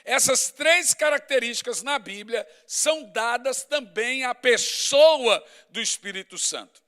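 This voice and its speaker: Bright high-voiced pastor preaching. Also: male voice, expressive, measured pace. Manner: conversational, emphatic preaching with lists and asides. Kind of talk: sermon.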